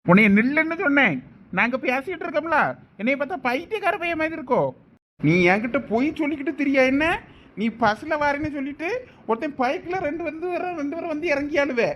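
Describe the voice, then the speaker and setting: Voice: high-pitched, lively intonation, quick pace, fairly bright tone, a little hiss or hum. A performer voicing a stern, angry village father in a cartoon, with a Thoothukudi Tamil accent and a threatening manner. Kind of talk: cartoon voice acting.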